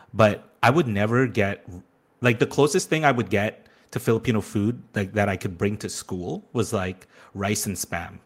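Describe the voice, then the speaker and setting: This man's fairly low voice moves at a moderate pace with ordinary pitch variation. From Western Canada. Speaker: podcast host and videographer. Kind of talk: casual chat. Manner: animated.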